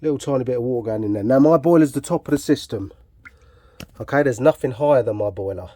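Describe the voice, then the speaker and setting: A man's voice: medium pitch, fast, dark tone. A middle-aged heating engineer with a cold, talking through his work in a blunt, ranty, casually sweary way, filmed on his phone in a house loft. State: has a cold. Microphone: phone camera.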